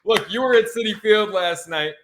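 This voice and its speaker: A man's voice: sits high, moderate pace, fairly bright tone. A man co-hosting a sports podcast in a casual chat, brash and emphatic, swearing freely. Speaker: podcast co-host.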